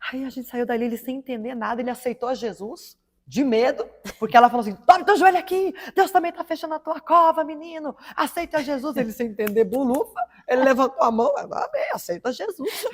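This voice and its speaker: With an animated tone and lively intonation, a high-pitched woman speaks at a fairly quick pace, her loudness swinging widely. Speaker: missionary giving testimony. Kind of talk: testimony.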